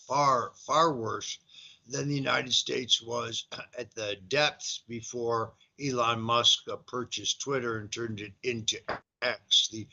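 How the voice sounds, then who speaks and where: Older male host, very bright, lo-fi. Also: mid-range voice. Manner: measured, hesitant with fillers. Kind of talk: talk show hosting. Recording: dull lo-fi audio.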